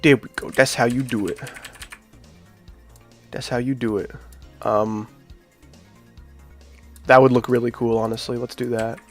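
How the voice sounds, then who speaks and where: A man's voice: mid-range voice, fairly even intonation, unhurried, pauses often, faint music behind. A man with a nasal voice from being sick, chatting casually to his live-stream viewers while he builds a game level. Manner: chatty, talks to chat while working.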